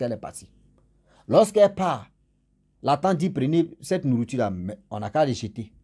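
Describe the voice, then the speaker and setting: A man's voice: mid-range voice, a little mellow, breathy edge. A man casually retelling a mystical tale, rambling and repeating himself while he speaks to his listeners. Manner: rambling, repeats phrases, addresses listeners directly. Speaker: storyteller.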